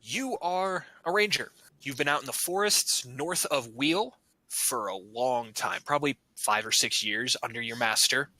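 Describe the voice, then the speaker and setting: A man's voice: mid-range voice, measured pace, bright, forceful tone, no echo, low-quality recording. A man narrating a tabletop game as game master, casual and joking, and he swears freely.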